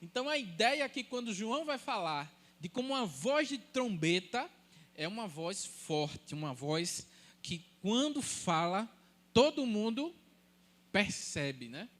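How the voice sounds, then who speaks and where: Pastor with a light, thin voice. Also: male voice, high voice, a little slow. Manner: animated, jokes with the congregation, asks and answers his own questions. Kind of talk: sermon.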